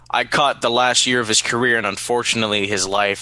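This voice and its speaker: A man speaks at medium pitch with a bright, sharp tone. His intonation is fairly even. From Canada. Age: 20s. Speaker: wrestling podcaster. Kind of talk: casual chat.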